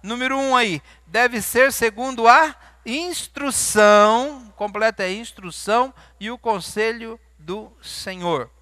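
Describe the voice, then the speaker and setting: A man's voice: very high voice, takes it slowly, hardly any pauses, bright, forceful tone, no echo. A man with a Brazilian Portuguese accent preaching a sermon in a church, talking conversationally and asking his congregation questions. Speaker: pastor.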